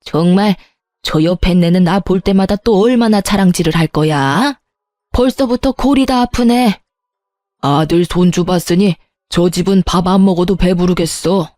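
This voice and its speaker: A woman's voice: on the low side, normal speed, darkish tone, dry recording, studio quality, lightly acted. A woman voicing a scornful middle-aged mother-in-law who sighs, nags and belittles. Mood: grumbling. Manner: sighing, nagging and belittling.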